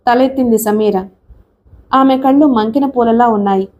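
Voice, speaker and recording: A woman narrating an audiobook story in a steady storytelling manner. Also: on the high side, normal speed, highs cut off.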